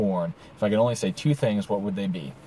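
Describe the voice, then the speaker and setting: Somewhat breathy, a man rattles along at a very fast pace. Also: dry sound with no echo. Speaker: vlogger. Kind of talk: casual vlog chat. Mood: earnest, reflective. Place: car. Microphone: phone near.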